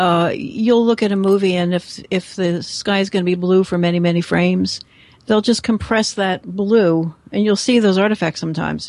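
A woman with a plain, everyday voice talks at a moderate pace, her medium pitch held to fairly even intonation. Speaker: radio co-host. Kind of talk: casual radio chat.

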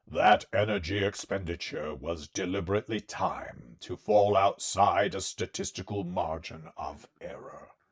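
Putting on a character voice, a man speaks at a moderate pace with a fairly low pitch and hardly any pauses. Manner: cold, deliberate.

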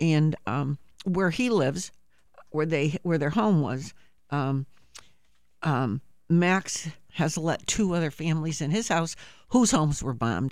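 A woman's very deep, low voice with lively intonation, a fairly slow pace and long, frequent pauses, on a very clean recording with a silent background. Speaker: community arts organizer. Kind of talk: casual radio interview. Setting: studio.

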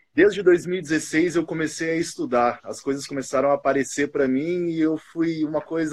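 A man has an ordinary speaking voice at a fairly high pitch and a moderate pace. The sound is dry and close, with no echo. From Curitiba, southern Brazil. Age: 20s. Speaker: caller. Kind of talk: casual chat.

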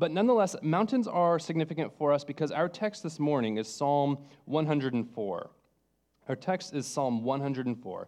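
A man with an American accent and a fairly high pitch talks at a fairly slow pace with lively intonation, in a normal speaking voice. The background is quiet. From California. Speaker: preacher. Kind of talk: sermon. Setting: church.

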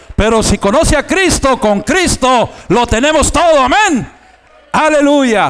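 With noticeable background noise behind him, a man speaks in lively intonation. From Mexico, Sinaloa. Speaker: church musician. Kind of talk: testimony. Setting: church.

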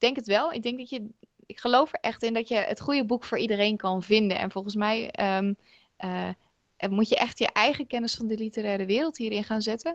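Recorded with a dry, close sound and no echo, a woman speaks at a fairly quick pace with ordinary pitch variation. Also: fairly high pitch for a woman. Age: 30s. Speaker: Dutch language teacher. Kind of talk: interview. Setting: online call. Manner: hesitant, many fillers.

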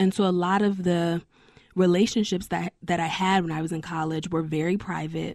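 Here is a woman with a normal speaking voice and an American accent. Her pitch is fairly low, her pace moderate and her intonation fairly even. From New York. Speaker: writer and college alum. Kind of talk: roundtable discussion.

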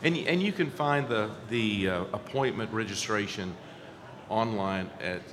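A man speaks at a fairly slow pace with a fairly low pitch. Noticeable background noise can be heard. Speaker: benefits board leader. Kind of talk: informational interview.

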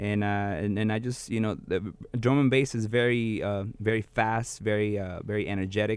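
The speech moves at a moderate pace with hardly any pauses and fairly even intonation. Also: man, fairly low pitch for a man. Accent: Spanish. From Mexico City. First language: Spanish. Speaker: rapper and DJ. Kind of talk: casual interview. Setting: studio.

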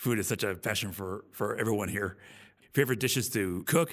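An ordinary speaking voice, a man with an American accent talks at a fairly quick pace and fairly low pitch with ordinary pitch variation, in a very clean recording with a silent background. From Iowa, US Midwest. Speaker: executive chef. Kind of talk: interview.

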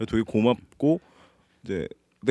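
A man at a medium pitch, moderate pace and lively intonation, in a dry, close sound with no echo. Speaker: band member. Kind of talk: interview.

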